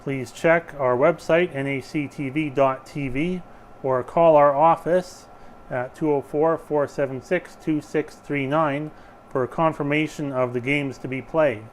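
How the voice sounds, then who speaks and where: A man with a slightly high voice speaks as a bingo caller. He reads out the game announcements and rules formally and procedurally. Steady background noise sits behind his voice. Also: measured pace.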